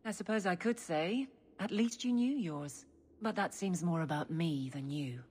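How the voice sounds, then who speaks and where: Low-voiced, earnest guard captain. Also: female voice, moderate pace, darkish tone, slightly rough. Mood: sober, awkward. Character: earnest, awkward, sturdy armored female guard captain. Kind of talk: video game dialogue.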